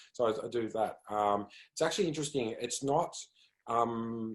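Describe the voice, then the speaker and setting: There is a man speaking with an Australian accent at a medium pitch. His pitch variation is ordinary, and the background is quiet. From Australia, Yarra Valley, Victoria. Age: 40s. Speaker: beekeeper. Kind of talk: webinar talk. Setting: video call. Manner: casual, many fillers.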